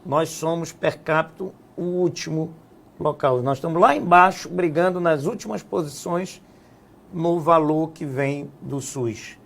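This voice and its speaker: A man speaks in a political interview, laying out his points in a steady, explanatory way. His voice sits a little high and carries a gravelly edge. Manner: measured, explanatory, frequent "né?" tags. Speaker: guest, health businessman and former legislative assembly president.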